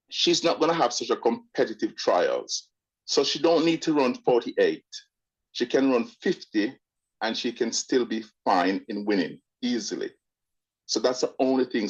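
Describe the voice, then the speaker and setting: A man from Jamaica with a blend of Jamaican and British speech calls in to a show, chatting in a casual, opinionated way. He often restarts his sentences and repeats words before getting to the point. His voice arrives over a dull, narrow-sounding phone line. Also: medium pitch. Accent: Jamaican with British mix. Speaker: caller. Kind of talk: casual call-in chat.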